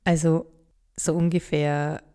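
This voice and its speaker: Low, mellow-voiced Bavarian woman. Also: little pitch movement, slow, clear, resonant tone. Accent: light Bavarian. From Upper Palatinate, Bavaria. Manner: candid, reflective, with many fillers and restarts. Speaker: podcast host. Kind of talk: personal storytelling podcast.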